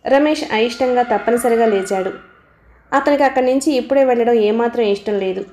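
A woman reads a novel aloud as an audiobook narrator, steady and even. Her voice is mellow and sits fairly high. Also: fairly quick, roomy sound, slight background noise. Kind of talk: novel reading.

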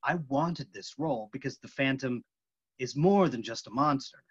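A man's voice: medium pitch, expressive, normal speed, husky. A man playing an earnest, intense film actor pressing for the truth in a staged reading. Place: room at home, video call. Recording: dull, muffled video-call audio.

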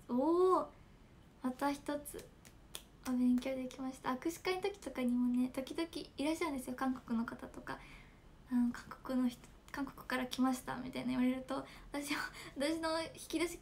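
Giggly high-voiced young woman streamer. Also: vocal fry, slight background noise. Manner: giggly, chatty, reads fan comments. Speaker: idol livestreamer. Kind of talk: casual livestream chat. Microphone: smartphone.

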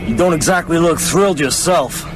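An actor playing a grumbling, uneasy furniture mover in a radio drama. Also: male voice, a little high, moderate pace, music in the background, natural voice, rough recording. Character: grumbling, uneasy working-class American mover.

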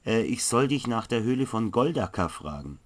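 A man's voice: mid-range voice, big pitch swings, moderate pace, pitched above the performer's own voice. A man playing a clumsy, easily annoyed, sturdy wizard's apprentice who hesitates and stammers in a fantasy audio story. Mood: confused. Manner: hesitant, stammering with filler sounds.

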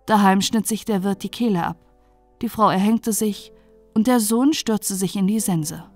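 A woman reading a dark bedtime fairy tale aloud in a calm, even narrating voice. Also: mid-range voice, normal speed, faint music behind. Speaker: storyteller.

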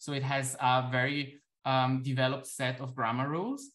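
A man's voice: mid-range voice, quick pace, a bit bright. A young man presenting research on a video call, explaining steadily with frequent ums. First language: Italian. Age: young adult. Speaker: conference presenter. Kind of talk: academic talk and Q&A answer. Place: indoor room at home. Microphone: laptop webcam on a video call.

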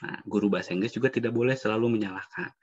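Man, low husky voice, chatty webinar teacher, muffled lo-fi call audio. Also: rapid-fire, no echo. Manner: chatty, acts out example dialogues. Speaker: webinar presenter. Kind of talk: casual online teaching talk. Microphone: video call.

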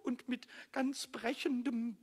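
A man voicing a small, cheeky, childish kobold in a children's radio play, squeaky, boastful and melodramatic. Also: flat delivery, slow pace, breathy edge, exaggerated voice. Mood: self-pitying. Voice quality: squeaky, screechy.

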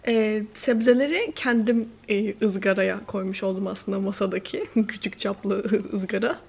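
A woman's voice: medium pitch, steady tone, a little slow, creaky, darkish tone, breathy edge. A woman, chatting casually to the camera in a giggly, hesitant way. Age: late twenties. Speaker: vlogger. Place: bright living room with plants by windows; some clips in a mall and restaurant. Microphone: camera at arm's length. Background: music.

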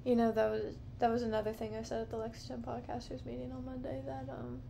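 A woman in her thirties hosting a podcast alone, rambling slowly and softly in a dim living room at night, with many fillers. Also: fairly high pitch, completely flat delivery, vocal fry, slight background noise. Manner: slow, meandering, soft-spoken with many fillers. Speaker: podcast host. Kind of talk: rambling casual monologue. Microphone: camera close up, handheld or on a low stand.

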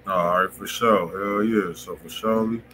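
A man's voice: deep voice, steady tone, a little slow. A man hosting a music review livestream with casual, slangy, profane chat. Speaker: music review show host. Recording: clearly noisy room ambience.

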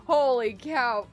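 Loud excitable woman streaming a game. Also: high-pitched. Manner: loud, excitable, shrieks at plays. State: strained throat from screaming. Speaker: streamer host. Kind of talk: casual gaming stream chat. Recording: light game music behind.

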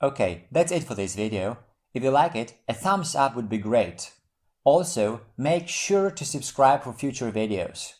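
Man teaching vocabulary, lively mellow voice. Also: mid-range voice. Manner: slow, carefully enunciated reading of example sentences. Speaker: English teacher. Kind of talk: vocabulary lesson narration.

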